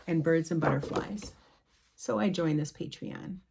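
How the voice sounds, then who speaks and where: This is a relaxed home chat where a middle-aged woman shows her cross-stitch patterns, wandering off track with frequent ums and false starts. Her voice is low-pitched and creaky, and she takes her time. Background noise can be heard.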